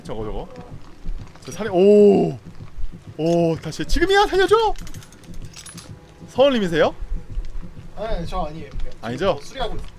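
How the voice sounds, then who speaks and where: High-voiced excitable male game streamer. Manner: loud exclamations and frantic repeated words. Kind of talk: excited live gameplay commentary.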